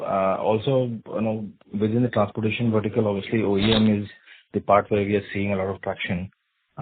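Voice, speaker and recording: A man's voice: fairly low pitch, slightly rough, narrow, tinny audio. A man, an analyst putting questions to management on an earnings call in hesitant, roundabout phrasing. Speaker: financial analyst asking questions. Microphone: conference call line.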